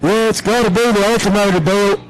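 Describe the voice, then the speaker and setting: A man's voice: high-pitched, fairly even intonation, fairly quick, lightly acted, rough recording. A man imitating a drunk friend with a mumbled, drawling slur. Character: slurring drunk buddy, young adult man.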